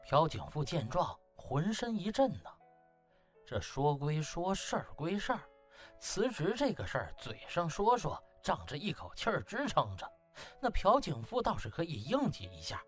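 Highly animated male audiobook storyteller. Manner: colloquial, theatrical, emphatic exclamations. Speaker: audiobook narrator. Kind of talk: dramatic storytelling narration.

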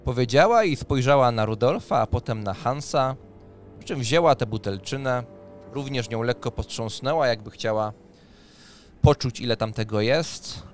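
A man's voice: medium pitch, moderate pace. Male game master, thirties, mid-range voice, improvised fantasy narration, light music bed. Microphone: close microphone on an arm, headset.

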